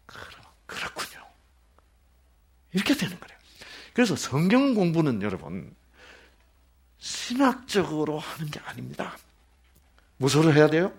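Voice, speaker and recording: A man's voice: fairly high pitch, big pitch swings, moderate pace, gravelly, long pauses, slightly rough. A man pastor giving a sermon-style Bible lesson, asking the congregation questions and answering them himself, sometimes dropping to a whisper. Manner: drops to a whisper at times. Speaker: pastor teaching Bible study.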